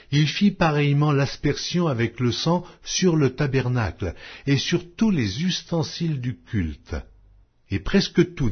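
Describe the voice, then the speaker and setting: A man narrating scripture as a solemn, scripted audiobook reading with measured, declamatory phrasing. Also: mid-range voice, husky. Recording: dull lo-fi audio.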